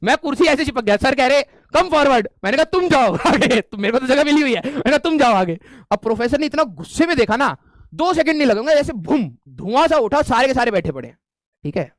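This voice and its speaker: A man with a strikingly high voice narrates a comic tale to a room of students. He laughs along at his own story and keeps pausing to check in with them. His voice is recorded close and dry, with almost no room sound. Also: very animated, no echo. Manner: chuckles often, keeps checking in with "okay". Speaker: teacher. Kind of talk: humorous storytelling to a class.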